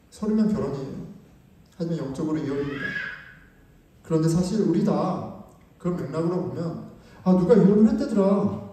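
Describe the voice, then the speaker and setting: A man's voice: a little high, dark tone. A male pastor preaching a sermon in a church sanctuary, talking conversationally and asking the congregation rhetorical questions. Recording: echoey church hall, distant mic.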